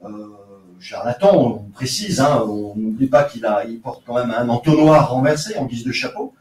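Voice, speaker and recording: A man's voice: mid-range voice, expressive, normal speed, darkish tone. Man lecturing in an echoey room. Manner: explanatory, with hesitations and many fillers. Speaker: archaeologist lecturer. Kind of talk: academic seminar lecture. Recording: roomy, distant lecture recording with faint noise.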